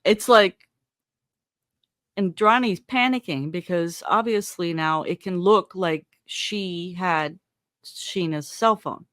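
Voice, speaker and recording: A chatty woman podcast host with a slightly low voice. She comments casually and wryly, and the sound is close and dry, with little room around it. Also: slow, fairly bright tone, dry recording. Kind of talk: casual commentary on played phone calls.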